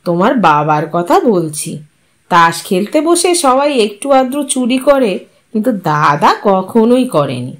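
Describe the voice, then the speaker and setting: A woman's voice: medium pitch, very animated, a little slow. A woman voicing a talkative older uncle who pries into family matters. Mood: fond. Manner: prying, chatty.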